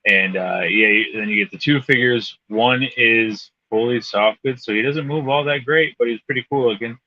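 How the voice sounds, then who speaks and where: A man co-hosting a casual chat, explaining things in a rambling, halting way. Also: mid-range voice, no echo. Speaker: podcast co-host. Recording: dull lo-fi audio.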